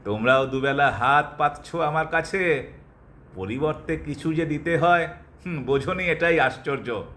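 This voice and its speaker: A man playing a cold, calculating doctor in an audio drama, pressing his love insistently and deliberately, with English phrases dropped in. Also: a little high, sharp tone, a little hiss or hum. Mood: menacing, entitled. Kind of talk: Bengali audio drama acting.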